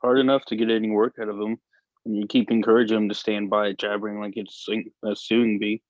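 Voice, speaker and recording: A man's voice: on the low side, level tone, fairly quick, dry recording, dull audio, natural voice. A man playing a surly, bigoted miner who picks fights, in a screenplay table read. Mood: contemptuous.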